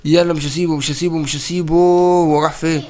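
Fast-talking Egyptian gamer man. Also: a little high, fairly even intonation, darkish tone. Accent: Egyptian Arabic. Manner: playful, teasing, laughs often. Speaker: gaming channel host. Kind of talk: excited gameplay commentary.

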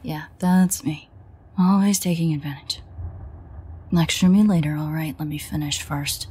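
Woman acting a low, hushed, sardonic vampire woman. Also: measured pace, exaggerated voice. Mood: wry. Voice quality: hushed, breathy, often near a whisper. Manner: sardonic, swearing, coaxing. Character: foul-mouthed, teasing female vampire with a protective streak. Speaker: audio roleplay voice actor. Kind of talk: intimate audio drama roleplay, hushed and breathy. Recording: faint ambient noise, rain.

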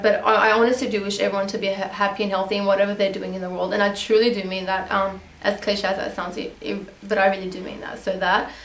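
A woman's voice: medium pitch, roomy sound, poor audio. A young woman from Australia whose first language is Armenian, chatting casually in a beauty vlog Q&A, rambling with lots of ums and restarts. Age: young adult. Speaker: beauty vlogger. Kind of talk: casual Q&A chat. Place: small bedroom indoors.

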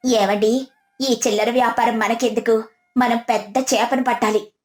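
A woman voicing a sharp-tongued village wife in a storybook tale, mocking and theatrical, with a greedy streak. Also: a little high, steady tone, normal speed, natural voice. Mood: scheming. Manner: scolding, sarcastic, theatrical. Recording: music behind the voice.

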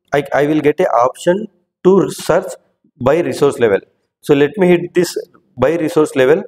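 A man hosting a screen-recorded software tutorial, explaining step by step and often checking in with "right?". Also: on the high side, big-room sound, rough recording. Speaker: tutorial host. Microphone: voice-over on screen recording.

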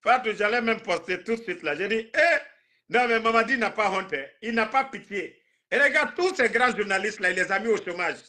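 A man's voice: high-pitched, lively intonation, a little fast, pushed and bright. A man in his thirties with a Guinean accent, talking politics on a live stream in an emphatic, indignant, repetitive way. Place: indoor room, video call.

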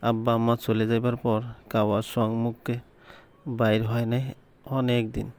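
Storyteller: man, gravelly, even and unvaried, colloquial first-person narration. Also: medium pitch. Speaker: story reader.

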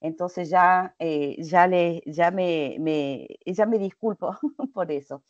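Argentine woman, middle-aged, measured webinar lecturer with frequent hesitations; lowish voice, dry dull call audio. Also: no room sound. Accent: Argentine Spanish with some Portuguese mixing. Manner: measured, many hesitations and restarts. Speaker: invited lecturer. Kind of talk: webinar presentation. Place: home office with bookshelf.

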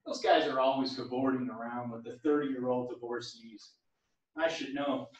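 A man's voice: medium pitch, steady tone, moderate pace, highs cut off, lightly acted. A man playing a witty, candid, friendly gay tennis instructor in a staged play reading. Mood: dry, teasing. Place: small theatre stage, indoors. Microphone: far camera. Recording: very echoey theatre, distant microphone.

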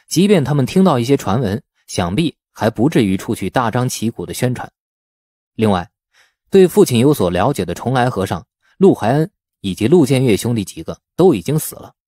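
A man reading a novel as an audiobook narrator, in an expressive storytelling manner. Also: mid-range voice, no room sound, studio quality. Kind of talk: scripted dramatic novel narration.

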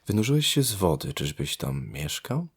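A man's voice: low voice, big pitch swings, normal speed, husky, full character voice. A man voicing a curious, enchanted young maiden in a storybook audio tale, wondering and inquisitive.

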